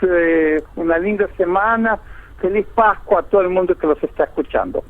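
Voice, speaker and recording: A man's voice: high-pitched, normal speed. A man from Argentina with a Brazilian-tinged Argentine Spanish accent, an economist explaining his points step by step in a radio interview over the phone. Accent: Argentine Spanish with a Brazilian Portuguese lilt. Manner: explanatory, lays out points in order, tag "¿viste?". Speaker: economist guest. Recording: tinny phone line.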